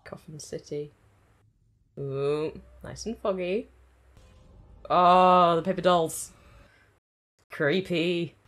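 A woman giving excited, gushing reaction commentary as she watches an anime episode, speaking into her own microphone. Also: lowish voice, extremely slow, pauses often. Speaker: anime reaction channel host. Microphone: own desk microphone.

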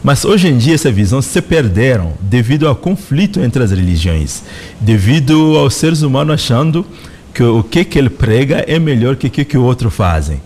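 A middle-aged man from Congo with a Congolese accent, giving measured, reflective answers as a guest in a radio studio. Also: medium pitch, very animated, darkish tone. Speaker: representative of a spiritual organization, guest. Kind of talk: interview answers. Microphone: studio microphone close in front.

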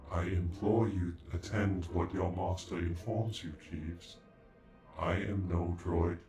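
A proud, indignant android, acted by a man speaks in a very low voice with stiff formality. The sci-fi ASMR roleplay has a strong echo around the voice and music underneath. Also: steady tone, slow, mellow. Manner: stilted, formal, stuttering on glitched words. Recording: echoey, with background music.

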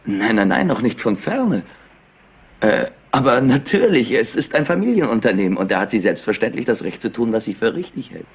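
An actor playing an evasive, high-strung young business heir in a German crime radio play, smooth-talking and impatient. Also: male voice, very animated, a little fast. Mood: nervous, hurried. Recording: noisy retro radio play.

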